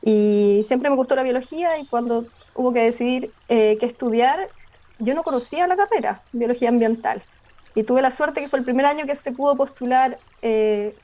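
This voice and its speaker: Mellow-voiced Chilean woman, halting. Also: on the high side. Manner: thoughtful, halting with many fillers and restarts. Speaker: biologist guest. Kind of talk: radio interview conversation.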